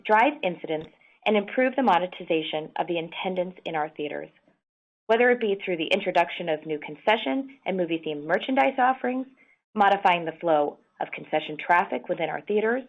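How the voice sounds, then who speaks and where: A woman with an American accent and a lowish voice delivers a scripted corporate results presentation. She is formal and measured, like an executive addressing investors. The sound is dull and band-limited, as on a conference call. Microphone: conference call line.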